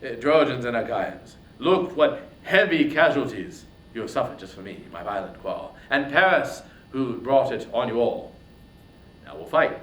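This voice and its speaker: Loud, declamatory wronged warrior king, acted by a man. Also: medium pitch, animated, normal speed, natural voice. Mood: commanding, aggrieved. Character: wronged warrior king, commanding, grave and bitter. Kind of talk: dramatic reading of ancient epic poetry. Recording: roomy echo, distant mic, faint noise.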